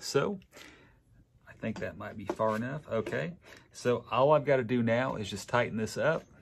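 A man's moderate-paced speech with ordinary pitch variation

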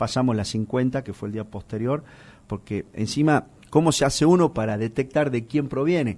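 Lively intonation marks a man's dark, mellow tone, heard over a quiet background. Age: 40s. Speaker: municipal environment official. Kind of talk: radio interview. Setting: radio studio.

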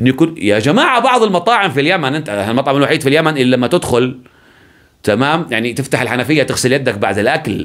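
Against a quiet background, a man talks at a very fast pace with a fairly high pitch, lively intonation and an animated tone. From Yemen. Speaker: YouTube commentator. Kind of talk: monologue commentary. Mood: indignant, appealing, mocking. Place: home room. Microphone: studio mic.

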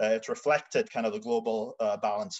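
A man's voice swings very widely in pitch. The background is quiet. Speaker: writer, activist and book editor. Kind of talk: panel talk. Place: home room. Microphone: webcam.

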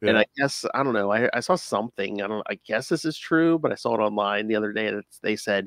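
A man's fairly low voice at a very fast pace with hardly any pauses, ordinary pitch variation, a dry sound with no echo and a quiet background. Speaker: podcast host. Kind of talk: casual podcast chat. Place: home room. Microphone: studio mic.

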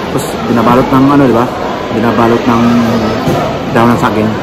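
Loud background noise runs under a man talking at a very fast pace. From Philippines. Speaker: call center worker. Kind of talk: casual vlog talk to camera. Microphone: earbuds.

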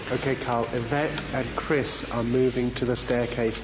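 Fairly slow speech from a man, with background noise clearly noticeable. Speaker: parapsychologist. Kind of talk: explanatory talk.

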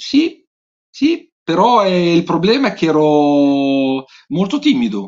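A man's high-pitched voice with very wide pitch swings, very slow delivery, and a quiet background. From northern Italy. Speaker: band musician. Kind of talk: interview. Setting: video call. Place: home room. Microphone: webcam.

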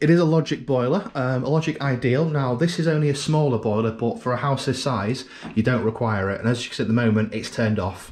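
Speaking at a very fast pace with hardly any pauses, a man at medium pitch sounds somewhat breathy and uses ordinary pitch variation. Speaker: YouTube vlogger. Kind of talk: house tour walkthrough. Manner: animated; halting. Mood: enthusiastic, approving. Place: home room. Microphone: phone near.

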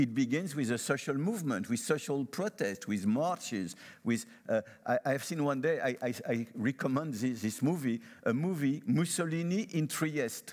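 A man with a French accent speaks at a moderate pace, his pitch fairly high for a man. His intonation is lively, and the background is quiet. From France. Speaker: academic panelist; panelist. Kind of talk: panel discussion. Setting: stage with audience. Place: stage. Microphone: headset.

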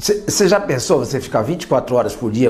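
At a moderate pace, a man speaks with very wide pitch swings amid audible room echo. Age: old. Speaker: football commentator. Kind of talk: TV sports panel discussion.

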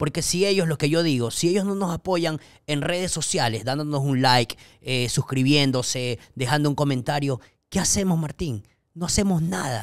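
Against a quiet background, a man talks at a moderate pace in a fairly high pitch with ordinary pitch variation. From Ecuador. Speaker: podcast host. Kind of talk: casual interview chat. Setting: studio. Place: studio. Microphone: studio mic.

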